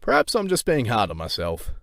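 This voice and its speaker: A man's voice: medium pitch, huge pitch swings, brisk, vocal fry, a bit bright, no echo, studio quality, exaggerated voice. A man voicing an overeager mid-thirties father in a cartoon, dramatic and exuberant. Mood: melodramatic. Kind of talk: cartoon voice acting.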